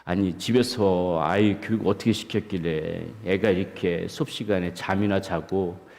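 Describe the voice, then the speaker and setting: A man with a low voice preaches from the pulpit and tells light anecdotes at an easy pace. His words ring out with the long reverb of a church sanctuary. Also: fairly even intonation, creaky, darkish tone. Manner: storytelling with humorous anecdotes, unhurried. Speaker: pastor. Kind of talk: sermon.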